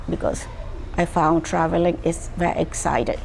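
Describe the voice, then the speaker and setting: Fairly slow and fairly even in intonation, a woman speaks. She has a strong Vietnamese accent. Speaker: resident sharing life story. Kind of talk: personal life story.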